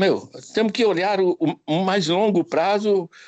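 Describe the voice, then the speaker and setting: Against a quiet background, a man speaks at a high pitch and a very slow pace, with a dry, close sound and no echo. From Europe. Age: 80s+. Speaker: economics professor. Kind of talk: lecture. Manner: conversational, with frequent fillers.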